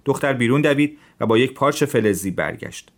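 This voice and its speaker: Guy narrating an old story for teens, calm, medium pitch.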